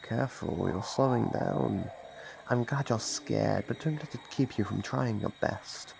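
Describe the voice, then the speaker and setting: A man playing an ancient, predatory monster in an ASMR roleplay, taunting and possessive in a gravelly, theatrical voice. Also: on the low side, a little slow, noisy background. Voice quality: gravelly, creaky. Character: ancient predatory male monster, menacing, gloating, possessive hunter. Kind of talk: ASMR roleplay, dramatic monologue.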